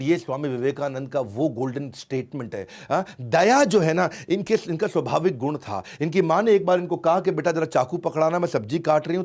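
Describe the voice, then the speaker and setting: A man telling stories in a lively talk, repeating phrases and dropping in tag fillers. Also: medium pitch. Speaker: motivational storyteller. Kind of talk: storytelling talk.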